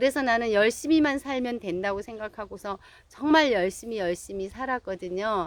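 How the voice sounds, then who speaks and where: A woman with a plain, everyday voice speaks at a moderate pace and medium pitch with lively intonation. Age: 60s. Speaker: poet. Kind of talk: casual talk. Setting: outdoors.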